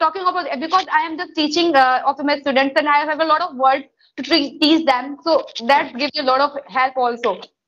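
Speaking at a fairly quick pace against a quiet background, a woman with an Indian accent has a high, bright, sharp voice with ordinary pitch variation. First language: Hindi. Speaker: English trainer. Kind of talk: casual chat. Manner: halting. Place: home room. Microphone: earbuds.

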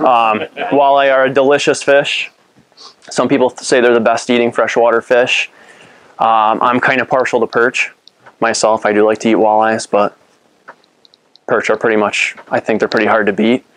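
At a moderate pace, a man talks in a monotone, flat intonation with very even loudness and long, frequent pauses. The sound is dry with no echo, and the background is quiet. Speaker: presenter. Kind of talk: lecture. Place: hall.

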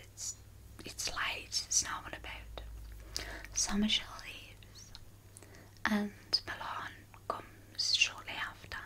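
Whispering in a relaxed tone, the speaker moves at a very slow pace with long, frequent pauses. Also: woman. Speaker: ASMR creator. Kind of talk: soft-spoken spooky story narration. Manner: soft-spoken, relaxed. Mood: spooky, intimate. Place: home room. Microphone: studio mic.

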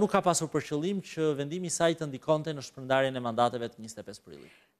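A man speaks at a fairly quick pace in a fairly high pitch. His intonation is lively, and the background is quiet. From Albania. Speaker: politician; guest. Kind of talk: studio interview. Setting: studio. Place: studio. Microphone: lapel.

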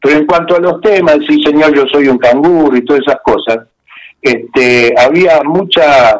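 Speaking in a Rioplatense accent, a man keeps a moderate pace. His loudness stays very even. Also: fairly high pitch for a man, ordinary pitch variation. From Argentina, Buenos Aires (Boedo). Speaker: singer. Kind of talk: interview.

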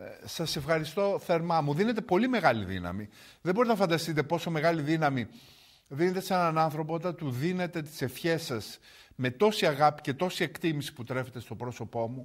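A man speaks at a moderate pace with a fairly high pitch and lively intonation over a quiet background. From Greece, Athens (Vyronas); Greece. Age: 50s. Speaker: journalist, TV commentator. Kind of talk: solo political commentary monologue. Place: studio.

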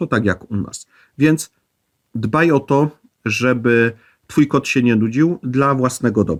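A man speaks very slowly at a medium pitch with ordinary pitch variation, pausing long and often. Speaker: pet content creator. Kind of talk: educational monologue.

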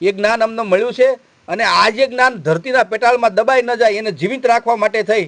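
This man's voice sits at an extremely high pitch, recorded with a dry, close sound and no echo. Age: 50s. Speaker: ayurvedic healer and monk. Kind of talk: interview.

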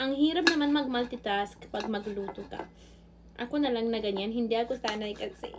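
A woman with a fairly high pitch talks amid noticeable background noise. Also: ordinary pitch variation. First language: not Tagalog, learning it (speaking Tagalog). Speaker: vlogger. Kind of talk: cooking vlog. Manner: animated.

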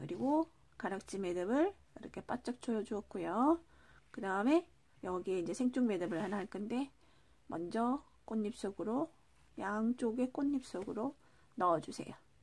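Somewhat breathy, a woman speaks at a moderate pace with long, frequent pauses. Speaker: knot-craft instructor. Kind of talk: tutorial. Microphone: phone near.

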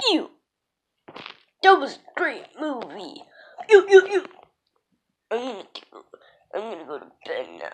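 A cartoonish character voice, high in pitch, at a fairly slow pace with long, frequent pauses. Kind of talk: puppet comedy. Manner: disgusted, repetitive.

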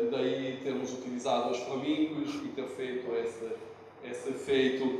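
A man speaks with an Italian accent and fairly even intonation. Strong room echo and light background noise fill the recording. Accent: Italian-accented European Portuguese. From Italy. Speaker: advertising creative director. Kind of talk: conference talk. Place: stage.

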